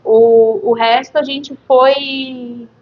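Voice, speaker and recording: A woman from southern Brazil, a nurse, talking about her family in a relaxed interview, pausing often and adding tag questions. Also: high voice. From Criciúma, Santa Catarina, Brazil. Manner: reflective, hesitant, frequent tag questions. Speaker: guest, nurse. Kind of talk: casual interview chat. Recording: dull lo-fi audio with faint noise.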